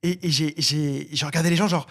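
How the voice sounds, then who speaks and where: A man co-hosting a relaxed film podcast, talking quickly. He tells his stories with eager, playful enthusiasm. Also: on the high side. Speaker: podcast co-host. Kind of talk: casual film podcast chat.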